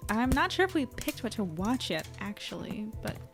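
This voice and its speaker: A woman's voice: medium pitch, big pitch swings, moderate pace, music in the background. A woman playing a chatty, upbeat young woman telling about her night in an audio drama. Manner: chatty, conversational. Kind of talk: first-person audio drama narration and dialogue.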